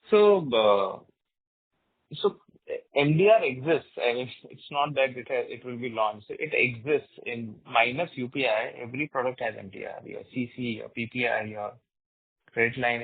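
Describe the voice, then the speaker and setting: A man answering questions as a company executive on an earnings call, explaining in a halting way. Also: medium pitch, breathy edge, no echo. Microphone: conference phone call. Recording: narrow tinny phone line.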